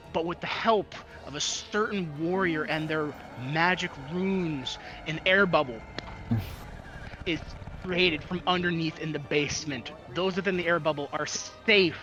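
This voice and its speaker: A man's voice: sits high, sharp tone. A man narrating as game master of an online roleplay, describing events with dramatic, building intensity. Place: online voice chat. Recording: background music.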